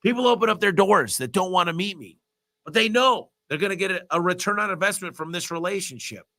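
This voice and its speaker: Congested guy w a stuffy nose doing a live q&a, super bright tense voice, rambles on all motivated. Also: high-pitched, expressive, brisk. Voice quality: stuffy, nasal. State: congested with a cold. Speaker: host of a business Q&A livestream. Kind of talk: live Q&A answering viewer questions.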